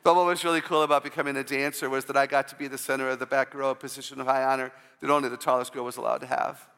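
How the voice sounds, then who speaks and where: A woman with a low voice, often taken for a man's, giving an inspirational church talk full of humorous personal stories and call-outs to the audience. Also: little pitch movement, very fast, a bit bright, smooth, long reverb tail.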